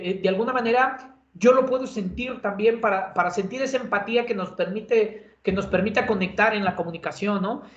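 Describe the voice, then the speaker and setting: A man with a Mexican accent giving a conversational lecture as an instructor, with many filler sounds and tag questions. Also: high-pitched. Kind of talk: lecture on communication. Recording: roomy, dull lo-fi sound.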